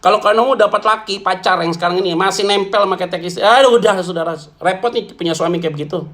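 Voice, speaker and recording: High-voiced blunt joking pastor, a man. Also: fast, a bit bright. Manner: blunt, joking, colloquial, calls listeners "saudara". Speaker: pastor answering questions. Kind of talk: church Q&A talk.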